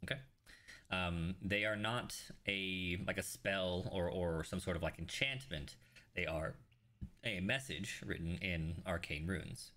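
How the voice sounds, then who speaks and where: A man runs a tabletop fantasy game as game master. His voice is deep with a bright, sharp edge. He narrates haltingly, making it up as he goes. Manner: halting, improvised delivery.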